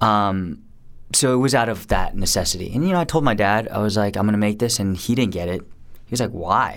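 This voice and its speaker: In a Californian accent, a man speaks at a fairly low pitch with ordinary pitch variation. Audible room echo surrounds the recording. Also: fairly quick pace. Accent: Californian American English. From Orange County, California. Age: 30s. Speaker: actor and filmmaker. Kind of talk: interview. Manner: casual.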